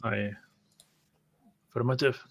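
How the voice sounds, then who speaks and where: A man's voice: medium pitch, fairly even intonation, takes it slowly, gravelly. A man taking part in a tabletop roleplay game as one of the players.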